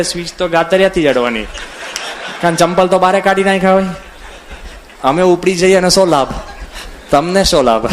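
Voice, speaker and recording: Man telling lively sermon anecdotes. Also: a little high, slight background noise. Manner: lively anecdotal, acts out quoted voices. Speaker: swami giving a religious discourse. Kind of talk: storytelling sermon. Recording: audio from a CD recording.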